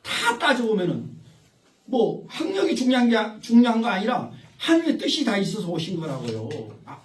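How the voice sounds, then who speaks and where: Man, informal rambling lecture, high voice, roomy sound. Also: moderate pace. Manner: rambling, animated, chatty, interrupted by the audience. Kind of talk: informal lecture to a small group. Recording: echoey room, far from the mic.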